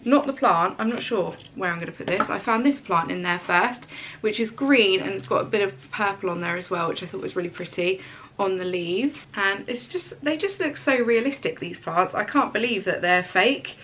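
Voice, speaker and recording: A woman's voice: mid-range voice, normal speed, fairly bright tone, a little hiss or hum, poor audio. Bubbly congested woman. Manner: bubbly and gushing, chatty asides. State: congested, stuffy-nosed. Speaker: home and lifestyle vlogger. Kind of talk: casual chatty haul video. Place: bedroom, sitting on the floor.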